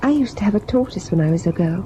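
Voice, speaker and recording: A woman's voice: mid-range voice, animated, fast talker, warm tone, lightly acted. An actress playing a wistful, uneasy, girlish young wife in an old-time radio drama. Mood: wistful, playful. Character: uneasy, childlike young wife, affectionate and whimsical. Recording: muffled old radio recording, faint noise.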